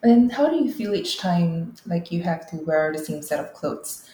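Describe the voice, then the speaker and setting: A woman's voice: fairly low pitch, expressive, normal speed, warm tone. A young woman, co-hosting a podcast and putting questions conversationally. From Malaysia. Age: young adult. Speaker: podcast co-host. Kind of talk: conversational interviewing. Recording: roomy echo, faint noise.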